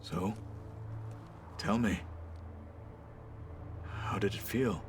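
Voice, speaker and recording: An actor playing a proud, loyal tribal warrior in a video game, speaking in a formal, measured, solemn way. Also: male voice, fairly low pitch, faint music behind. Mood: reverent, admiring. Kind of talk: video game character dialogue.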